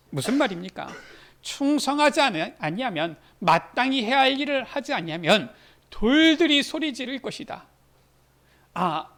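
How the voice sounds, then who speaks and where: A male pastor preaching a sermon in a church, asking rhetorical questions and rising into loud, emphatic lines. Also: very high-pitched. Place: church sanctuary.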